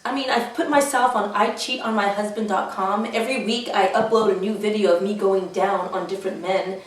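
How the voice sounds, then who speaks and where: A woman's voice: mid-range voice, steady tone, fairly quick, natural voice. A woman playing a brazen, whiny small-town wife, plaintive and blunt in a comedy sketch. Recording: echoey room, distant microphone.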